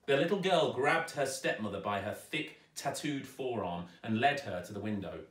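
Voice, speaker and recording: A man narrating a children's story aloud with dramatic, expressive delivery, recorded in a roomy space at some distance. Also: mid-range voice, normal speed. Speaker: storyteller, actor reading aloud. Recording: roomy echo, distant microphone.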